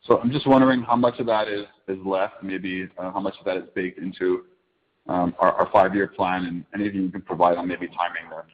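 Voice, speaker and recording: A man's voice: low voice, steady tone, brisk. A man calling in as a financial analyst, politely and tentatively asking questions on an earnings call. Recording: dull telephone conference line.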